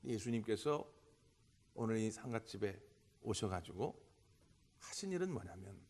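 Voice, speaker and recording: A male pastor delivering a Sunday sermon, full of rhetorical questions, swinging between loud bursts and quiet passages. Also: on the low side, very animated, normal speed. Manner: impassioned, with rhetorical questions and big swings in loudness. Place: church sanctuary. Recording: long church hall reverb.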